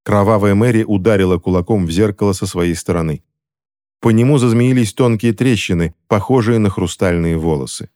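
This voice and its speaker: Guy reading a fantasy audiobook, lowish voice, steady dramatic narration. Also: a little fast.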